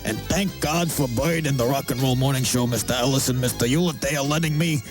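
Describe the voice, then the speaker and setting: A man's voice: mid-range voice, a little fast, music in the background, lightly acted. A man playing a brash security guard who wants to be a stand-up comic, telling jokes theatrically on morning radio. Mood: cocky, pleading.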